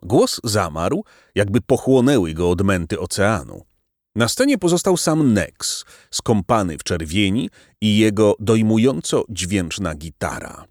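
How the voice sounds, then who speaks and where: Gravelly male audiobook narrator. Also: on the low side, big pitch swings, a little slow, darkish tone, no room sound, studio quality. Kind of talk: scripted narration.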